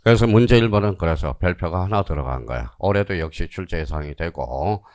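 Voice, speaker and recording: A man teaching an online exam-prep lecture, drilling students with quick questions and answers and repeating key phrases for emphasis. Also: deep voice, animated, darkish tone, dry recording.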